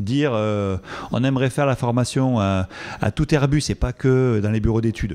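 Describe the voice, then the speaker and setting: The speech keeps a moderate pace. Its pitch shifts in an ordinary way. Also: man. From Toulouse, southern France. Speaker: epidemiologist, researcher. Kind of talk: Q&A after conference talk. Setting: conference hall with audience. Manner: hesitant, repeats words.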